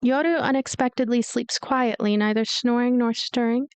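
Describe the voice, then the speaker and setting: A woman's voice: a little high, steady tone, normal speed, clear, resonant tone, dry recording. A woman hosting a let's play, reading a visual novel aloud with casual commentary. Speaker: let's play host and narrator. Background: game music.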